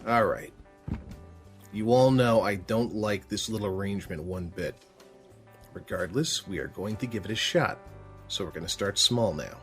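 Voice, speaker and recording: An actor playing a gruff, irritable police sergeant with a military past, brusque and commanding, in an audio drama. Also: male voice, fairly low pitch, moderate pace, pauses often, fairly bright tone, faint music behind. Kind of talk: full-cast audio drama acting.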